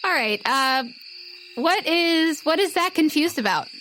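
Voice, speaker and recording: Female game master, higher voice, unhurried delivery, narrating over faint night-insect ambience. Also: lively intonation, pushed and bright, a little hiss or hum, rough recording. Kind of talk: narrating a tabletop role-playing game.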